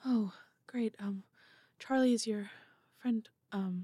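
In a quiet setting, a natural voice reads a passage aloud.

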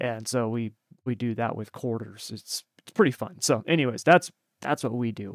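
The man speaks at a medium pitch with ordinary pitch variation, recorded with a dry, close sound with no echo. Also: moderate pace. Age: 40s. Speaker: racing podcast host. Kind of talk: casual chat. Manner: animated.

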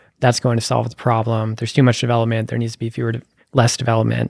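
A man with an American accent talks very fast at a medium pitch, in a monotone, flat intonation. His loudness swings widely, and the sound is dry and close with no echo. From Philadelphia. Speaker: podcast host. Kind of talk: interview conversation.

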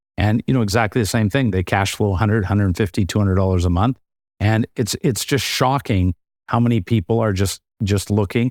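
A man with a fairly low pitch talks at a fairly quick pace in a very clean, dry, close recording with no echo and a silent background. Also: ordinary pitch variation, very even loudness. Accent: western Canadian. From Calgary, western Canada. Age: 60s. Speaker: real estate investor. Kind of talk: interview conversation. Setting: at his home.

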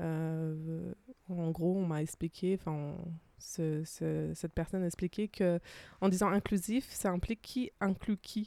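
At a very slow pace, a woman speaks with a fairly low pitch, ordinary pitch variation and a dark, mellow tone in a dry, close sound with no echo. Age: 20s. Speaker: podcaster. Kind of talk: casual chat.

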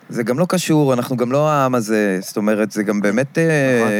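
This man has a normal speaking voice at a medium pitch. His intonation is lively and his pace moderate. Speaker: screenwriter and satirist. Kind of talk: casual chat.

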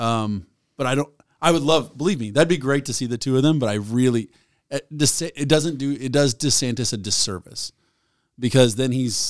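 A man's unremarkable speaking voice at a moderate pace, dry and close with no echo. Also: very clean recording, silent background. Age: 60s. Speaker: comedy podcast host. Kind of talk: casual chat. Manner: deadpan.

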